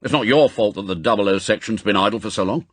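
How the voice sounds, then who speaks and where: Audiobook role: elderly male spymaster, done by a male reader, gruff, brusque, impatient, with a husky edge. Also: fairly low pitch, quick pace, no echo. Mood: angry, exasperated. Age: older. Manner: brusque, authoritative, clipped commands. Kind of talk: audiobook character acting.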